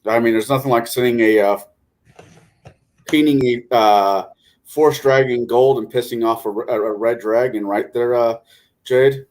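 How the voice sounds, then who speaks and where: Male game master on a panel, average pitch, loose casual chat that wanders and pauses often. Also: a little mellow. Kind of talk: casual chat about tabletop gaming.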